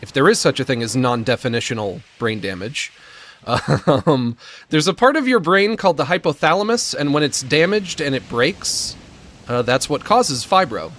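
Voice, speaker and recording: Male streamer, squeaky and breathless; slurred, lisping delivery with stammers, slow self-mocking pace. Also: lively intonation, a bit bright. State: short of breath, gasping before sentences. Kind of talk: prerecorded monologue.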